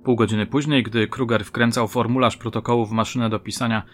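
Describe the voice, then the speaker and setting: A man reading his own crime story aloud in measured, dramatic narration. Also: medium pitch, level tone, a bit bright, soft background music. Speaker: author and narrator.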